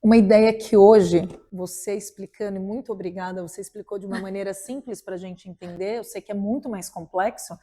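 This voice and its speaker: A woman's voice: medium pitch, steady tone, brisk, few pauses, warm tone. A woman hosting an interview, chatty and affirming. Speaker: host. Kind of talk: casual interview talk.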